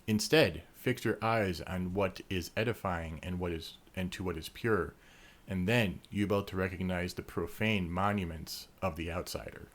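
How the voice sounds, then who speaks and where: A man's voice: sits low, normal speed. A man co-hosting a podcast, teasing in casual chat and reading long lore passages aloud. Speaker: podcast co-host.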